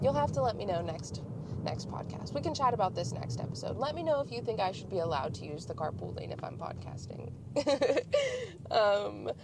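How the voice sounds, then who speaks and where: A young woman talks casually to her listeners from inside a moving car. She has a mid-pitched voice and rambles in a chatty, self-deprecating way. Vehicle noise runs clearly behind her as she drives. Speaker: podcast host. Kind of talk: casual solo chat to listeners while driving. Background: vehicle hum.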